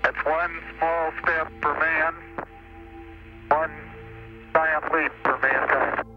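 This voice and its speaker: Man, astronaut, crackly space radio, calm measured reports, muffled lo-fi sound, faint music behind. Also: on the high side. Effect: crackly space radio transmission. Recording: muffled archival radio transmission.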